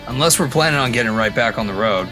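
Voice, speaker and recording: A man's voice: mid-range voice, expressive, quick pace, music in the background, close to an everyday voice. A man playing a breezy, easygoing road-trip buddy in an audio drama, playful and exuberant. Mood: easygoing, friendly. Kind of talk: animated audio drama acting.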